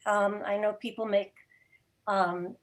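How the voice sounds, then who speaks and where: A mature woman speaking reflectively as an interview guest on a video call, articulate, with thoughtful pauses mid-sentence. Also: mid-range voice, steady tone. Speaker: interview guest, theater podcast producer. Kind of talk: reflective conversational talk. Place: indoor room, video call.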